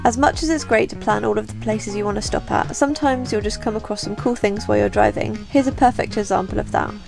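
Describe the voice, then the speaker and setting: A woman's voice: mid-range voice, fast talker, gravelly, over music. A young woman narrating a road-trip vlog, enthusiastic and repeating words for emphasis. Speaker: travel vlogger.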